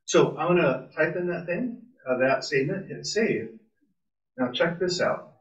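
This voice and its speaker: A man's voice: fairly high pitch, expressive, measured pace. A man presenting an informal live coding tutorial at a club meetup, casual and enthusiastic, thinking aloud as he types. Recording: distant, roomy, muffled meeting-room sound.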